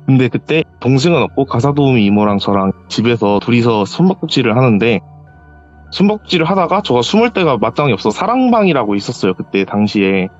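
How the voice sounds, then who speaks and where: On a lo-fi voice call, a male caller rattles off a personal ghost story at a quick clip while gentle music runs underneath. It's call-in horror storytelling, and he delivers it with energy, leaping into a high pitch each time he voices someone else's words.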